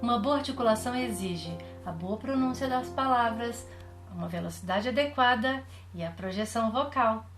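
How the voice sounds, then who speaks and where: A woman with a Brazilian accent giving a drama lesson, explaining clearly and demonstrating. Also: fairly high pitch, expressive, normal speed. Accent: Brazilian Portuguese. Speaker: drama teacher. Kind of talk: recorded online lesson. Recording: echoey room with faint music.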